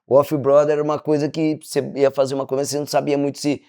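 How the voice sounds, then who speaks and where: A co-host of a relaxed interview show who jokes around and uses plenty of slang. This voice breaks into loud laughs and keeps the banter casual. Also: mid-range voice, racing, clear, resonant tone.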